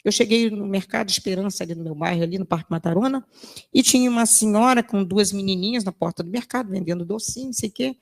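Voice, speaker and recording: A woman's voice: medium pitch, fast talker. Older woman giving an emphatic lecture. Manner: emphatic, full of rhetorical questions; storytelling with acted quotes. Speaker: spiritist lecturer. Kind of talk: sermon-like lecture.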